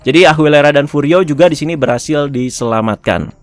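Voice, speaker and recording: Man, fairly high voice, casual episode review, chatty, dry close mic. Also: quick pace, dry recording. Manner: chatty, ends phrases with tag words, chuckles often.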